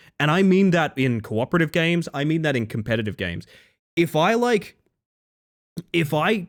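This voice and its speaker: A man with an Australian accent talks at a fairly quick pace, his pitch swinging very widely. The recording is very clean, with a silent background. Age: 30s. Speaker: streamer. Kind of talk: casual chat. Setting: live stream. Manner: halting.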